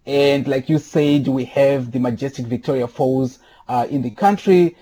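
Podcast guest, male, from Zimbabwe, husky and mellow, thoughtful, many pauses. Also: mid-range voice. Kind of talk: casual interview answers. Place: home during quarantine.

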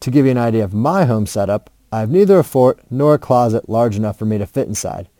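A man's voice: mid-range voice, expressive, fast, dark tone, dry recording, clean studio sound. A man hosting a casual interview podcast from home, friendly and a little self-deprecating, recording wrapped in a heavy blanket. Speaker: podcast host. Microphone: home podcast mic under a heavy blanket.

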